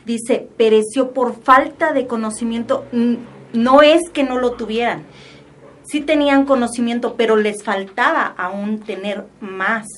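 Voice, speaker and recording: A woman's voice: a little high, steady tone, a little slow. Thoughtful Mexican woman on Christian radio. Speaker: radio program guest. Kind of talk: Christian radio program talk.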